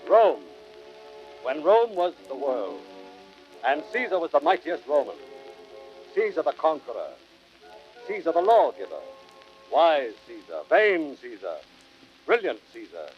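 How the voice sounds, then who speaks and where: A man's voice: fairly high pitch, sing-song, measured pace, pauses often, soft background music. A man acting as the grand narrator of a radio Roman tragedy, declaiming formally and portentously in 1930s style. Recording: dull, band-limited vintage radio recording.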